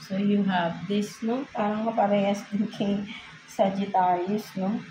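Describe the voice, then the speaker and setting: Speaking a little slowly in a mid-range voice with fairly even intonation, a Filipino-accented tarot reader gives a casual reading. She switches between languages and closes most phrases with a questioning "no?". The room is echoey and noisy.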